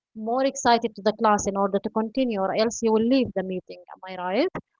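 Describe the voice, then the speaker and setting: The speaker has an Arabic accent. The sound is dry and close, with no echo. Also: woman. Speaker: English teacher. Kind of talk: online class lesson.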